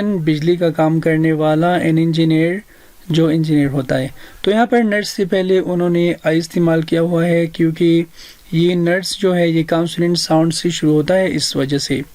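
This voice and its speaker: A man with a South Asian accent giving a language lesson as a teacher, deliberately explaining and repeating phrases for learners. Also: on the high side, a little mellow, dry recording. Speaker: English teacher.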